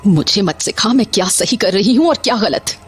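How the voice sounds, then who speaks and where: A woman's voice: medium pitch, expressive, normal speed, breathy edge, faint music behind. A woman voicing a middle-aged mother who is caring at home but cold and commanding toward her son, in a horror audio drama. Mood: furious. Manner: stern, cutting, commanding.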